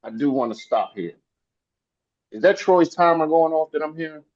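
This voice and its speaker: Male coach host, energetic hype-man delivery, dull lo-fi call audio. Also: fairly high pitch, normal speed. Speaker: sales coach and meeting host. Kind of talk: hosting a group video call.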